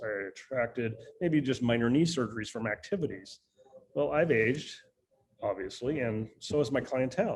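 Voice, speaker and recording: Moving at a fairly quick pace, a man speaks with a normal speaking voice at a medium pitch. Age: 60s. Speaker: medical fitness clinic founder and trainer. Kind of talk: interview.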